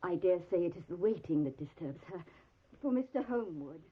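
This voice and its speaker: An actress playing a middle-aged, genteel Victorian mother in an audio drama, husky, fretful and confiding in a halting, fussy way. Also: fairly low pitch, animated. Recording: narrow phone-like audio.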